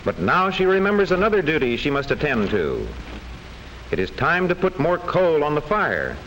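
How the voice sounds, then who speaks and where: Lively higher-pitched vintage film narrator, male. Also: moderate pace. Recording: noisy vintage classroom film soundtrack.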